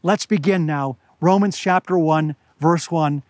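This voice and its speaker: Hoarse older man preaching a sermon outdoors. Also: a little high, a little mellow, no echo, studio quality. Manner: earnest, deliberate, slows to stress words. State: slightly hoarse. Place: outdoors among pine trees at high altitude.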